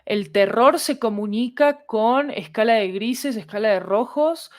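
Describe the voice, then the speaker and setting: A woman's voice: on the high side, unhurried, a little mellow. A woman with a Latin American Spanish accent explains things in casual conversation, thinking aloud and often checking that the listener follows. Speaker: podcast creator guest.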